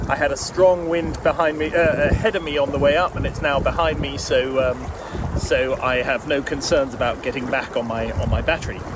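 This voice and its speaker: A man speaks fairly quickly, and background noise is noticeable throughout. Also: fairly high pitch for a man, ordinary pitch variation. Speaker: boating vlogger. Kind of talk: casual video commentary. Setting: outdoors on a boat on a river. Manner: hesitant with fillers.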